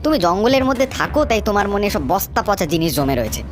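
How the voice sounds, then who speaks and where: An impatient middle-aged village son in a cartoon. He talks in a brusque, scolding way, and his pitch swings widely. Music plays behind him. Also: very animated, very fast. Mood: dismissive.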